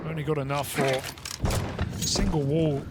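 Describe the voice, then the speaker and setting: A man's voice: on the high side, fairly even intonation, unhurried, heavy background noise. A man giving live esports play-by-play as a caster, in clipped phrases that follow the action.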